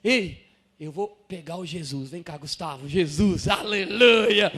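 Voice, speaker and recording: A pastor preaching to his congregation in a church, swinging from quiet asides to loud shouted lines and calling people up to act out a scene. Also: a little high, a little slow, crowd noise. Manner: dramatic preaching with sudden swings from soft to shouting; directs congregation members in a live demonstration. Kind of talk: sermon.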